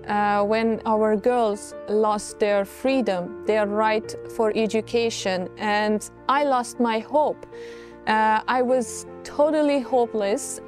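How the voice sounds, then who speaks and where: A young woman from Afghanistan, a scholarship recipient, giving an earnest, halting testimonial with many fillers. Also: on the high side, darkish tone. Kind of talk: filmed testimonial. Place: studio set with curtain backdrop.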